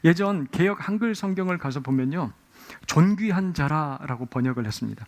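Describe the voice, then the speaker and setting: Man, pastor, sermon in a church, gravelly, somewhat high voice, storytelling. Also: expressive, fairly quick. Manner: storytelling, acting out voices in quotes. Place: church sanctuary.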